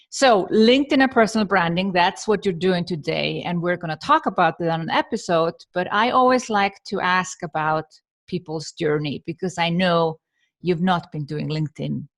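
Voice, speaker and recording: A woman's voice: on the low side, moderate pace, vocal fry. A middle-aged woman from Iceland hosting a podcast interview in a friendly, conversational way. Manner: friendly, conversational, laughs easily. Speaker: podcast host. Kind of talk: casual interview chat.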